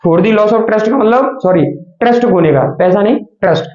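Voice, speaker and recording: A man's voice: high voice, moderate pace, darkish tone, reverberant, muffled recording. A man teaching an English grammar lesson, asking questions and answering them himself and calling his students children.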